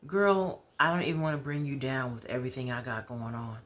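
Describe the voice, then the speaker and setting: An American woman voicing a troubled, proud mother in a story, confiding in a halting, conversational way. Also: a bass voice, steady tone. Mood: weary.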